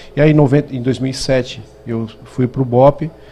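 A man talks in an unremarkable speaking voice at a medium pitch. His pace is fairly slow and his intonation fairly even. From Florianópolis, Santa Catarina, Brazil. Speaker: military police officer. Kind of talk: interview.

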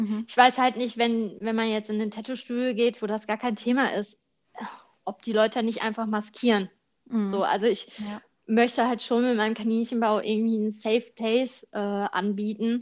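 Her intonation is monotone and flat as a woman speaks at a fairly high pitch and a moderate pace. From rural Germany. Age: 30s. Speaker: tattoo artist. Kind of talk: interview.

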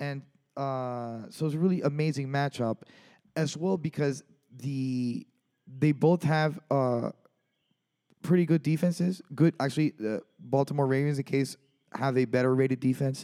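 Dark and mellow in tone, a man with a fairly high pitch and ordinary pitch variation talks at a moderate pace with long, frequent pauses, in a dry, close sound with no echo. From Puerto Rico. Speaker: podcast co-host. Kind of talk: casual chat. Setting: home studio.

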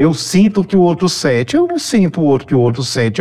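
A man's fairly high voice with a dark, mellow tone, at a moderate pace. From Ceará, Brazil. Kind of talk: interview. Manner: halting.

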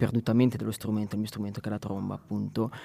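In a very clean recording with a silent background, this man has a dark, mellow tone. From northern Italy, Lombardy (Crema area). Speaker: trumpet player and music teacher. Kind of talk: interview, casual conversation. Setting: live stream.

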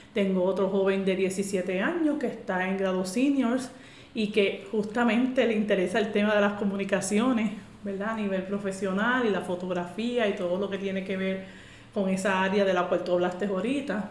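A woman speaks at medium pitch and a moderate pace with fairly even intonation. There is noticeable background noise and audible room echo. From Puerto Rico, metropolitan area. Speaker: podcast co-host, social worker. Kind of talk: casual conversational interview.

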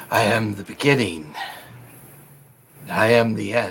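A booming, put-on character voice from a man at medium pitch, delivered at a fairly slow pace. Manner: ominous, grand.

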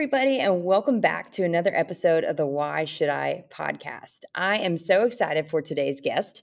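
With a normal speaking voice and lively intonation, a woman talks at a fairly low pitch and a fairly quick pace in a very clean recording with a silent background. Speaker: podcast host. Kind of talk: casual interview chat.

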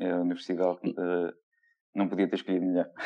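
A man talks in a flat monotone with a dark, mellow tone, recorded dry and close with no echo. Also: quiet background. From Portugal, Beira Alta (rural). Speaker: veterinary anaesthetist. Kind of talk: casual interview.

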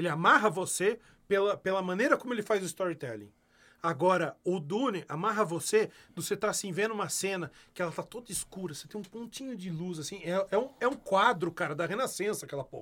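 A man speaks at a fairly quick pace in a high pitch. His pitch varies in an ordinary way, and his loudness swings a lot. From São Paulo interior, Brazil. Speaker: podcast co-host. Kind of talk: casual chat.

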